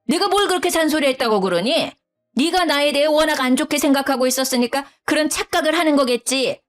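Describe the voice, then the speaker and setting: A woman's voice: high-pitched, fast talker, faint music behind, pitched above the performer's own voice, close to an everyday voice. A woman putting on a bossy scolding mother-in-law. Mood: defensive. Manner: scolding, condescending. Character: domineering nagging older mother-in-law.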